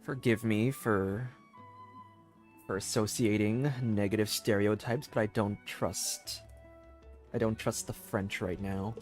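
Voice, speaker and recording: A man's voice: fairly low pitch, steady tone, slow, darkish tone. A man giving casual, rambling live commentary as a game streamer, hesitant and often repeating phrases. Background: game music.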